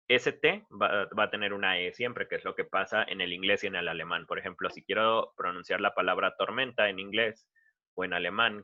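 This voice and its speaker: Bright-voiced male teacher, lo-fi audio. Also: low-pitched. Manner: relaxed, conversational, with many restarts and fillers. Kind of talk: informal online lecture.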